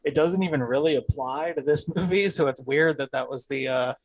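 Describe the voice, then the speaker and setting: Man, podcast co-host, relaxed rambling chat, frequent "like" and "um", chuckles. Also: on the high side, brisk, no echo, low-quality recording. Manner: rambling, chuckling, many fillers. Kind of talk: casual chat.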